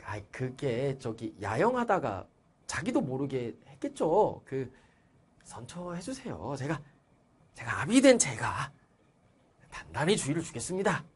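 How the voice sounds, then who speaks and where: A man's voice: huge pitch swings, unhurried, slightly rough, heavily acted. A man reading aloud as a flustered middle-aged father who stammers and stumbles over his words. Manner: stammering, high and strained.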